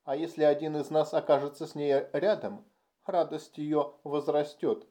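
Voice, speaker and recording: A man voicing a timid but cunning alien puppeteer in an audiobook, speaking in a calm, precise, scheming way. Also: on the high side, moderate pace, natural voice. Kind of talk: audiobook character voice.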